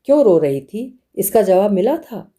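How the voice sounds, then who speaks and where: Woman voicing a fussing society lady, doting, reassuring, mellow dark voice, audiobook. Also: mid-range voice, very animated, normal speed, pitched above the performer's own voice, lightly acted.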